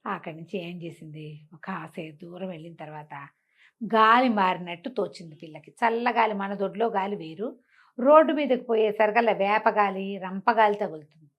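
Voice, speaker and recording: A woman telling a comic folk tale in an animated, conversational way, often repeating phrases. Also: mid-range voice, normal speed. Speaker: storyteller.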